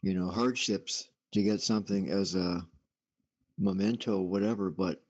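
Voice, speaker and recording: A man's voice: low-pitched, fairly even intonation, a little slow, a little mellow. A man chatting casually in a tentative, noncommittal way as a show participant. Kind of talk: casual chat. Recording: dull lo-fi radio-app audio.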